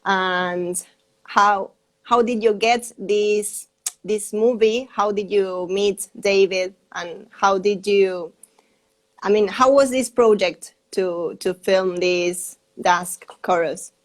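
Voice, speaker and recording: Woman on a video call, asks stuff in halting english then translates fast, mid pitch. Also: steady tone. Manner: hesitant English, quick summaries in Spanish. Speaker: interviewer and interpreter. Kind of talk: live interview, translating into Spanish.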